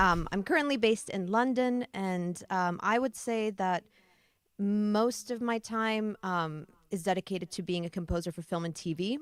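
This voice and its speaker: A woman speaks with an American accent at a moderate pace and medium pitch, with ordinary pitch variation. The recording is very clean, with a silent background. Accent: American-sounding. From Italy. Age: 30s. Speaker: composer and recording artist. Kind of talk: casual interview chat.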